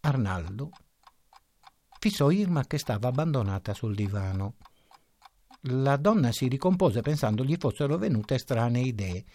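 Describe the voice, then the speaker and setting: A man narrating a short story in a measured, ironic storytelling manner. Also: medium pitch, lively intonation, a little mellow. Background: faint music.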